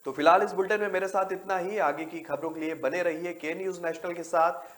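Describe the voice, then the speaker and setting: A man's voice: sits high, steady tone, fairly quick, fairly bright tone. A man reading a scripted news bulletin as the anchor, with music behind him.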